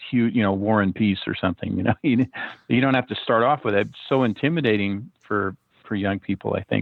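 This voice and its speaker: A man with an ordinary speaking voice talks at a fairly quick pace. His pitch is medium, with ordinary pitch variation. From US Northwest (Seattle). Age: 60s. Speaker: comic book author. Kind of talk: podcast interview.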